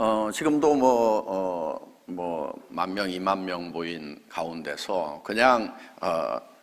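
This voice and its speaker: A man's fairly low voice with lively intonation. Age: 60s. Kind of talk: testimony. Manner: hesitant, many filler sounds.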